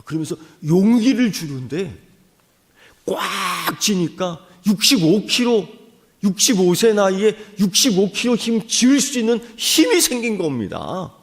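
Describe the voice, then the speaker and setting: A male pastor delivering a sermon as animated storytelling, dropping to a hush and rising again. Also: high-pitched, a little slow. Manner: animated storytelling, swings from hushed to loud.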